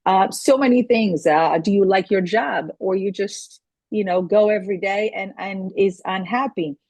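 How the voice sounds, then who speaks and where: A woman's voice: medium pitch, moderate pace, a little mellow, dry recording, lo-fi sound. A middle-aged woman from Israel, a guest in an interview, answering earnestly with frequent restarts and phrasing. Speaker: guest, astrology and feng shui consultant.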